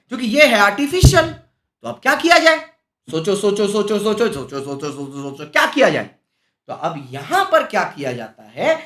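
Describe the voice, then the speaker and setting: A man teaching a live-streamed exam-prep class, animated and scolding, full of rhetorical questions. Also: very high-pitched. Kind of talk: lively live-streamed lecture. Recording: echoey room.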